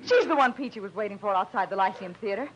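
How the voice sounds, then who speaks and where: A woman plays a brash young American dame from a 1940s radio noir. Her voice sits at a middle pitch, and she talks with wry, streetwise toughness. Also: animated, fast talker, lo-fi sound, close to an everyday voice. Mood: triumphant, brash. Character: tough, sassy young woman, wrestler's ex-wife.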